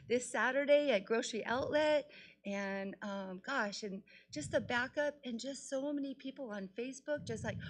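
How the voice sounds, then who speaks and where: Woman, higher voice, effusive and informal resident addressing a meeting, prone to laughter. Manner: gushing, effusive, laughs often. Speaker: resident presenting a community project. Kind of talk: informal public remarks. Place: council meeting room.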